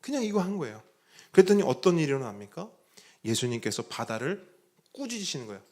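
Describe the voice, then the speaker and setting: A man's voice: a little high, sing-song, fast talker, a little mellow. A male pastor preaching a sermon, asking the congregation questions and answering them. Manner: emphatic preaching with rhetorical questions.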